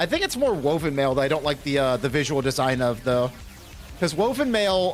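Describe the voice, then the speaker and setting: Over music in the background, a man speaks with lively intonation and very even loudness. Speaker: video game streamer. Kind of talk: casual chat.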